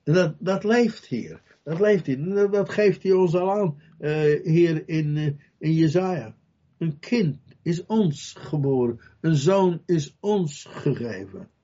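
Male preacher, high voice, slow unhurried delivery, emphatic repetition, direct questions to the congregation, slightly dull lo-fi recording. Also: expressive. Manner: emphatic, repeats key phrases, acts out Bible scenes with loud cries; addresses listeners directly with questions. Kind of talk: sermon.

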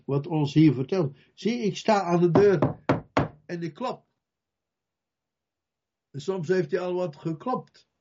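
A man's voice: high voice, muffled recording. A man preaching a sermon, repeating his key phrases with emphasis and putting questions straight to his listeners. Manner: emphatic, repeats key phrases, acts out Bible scenes with loud cries; addresses listeners directly with questions.

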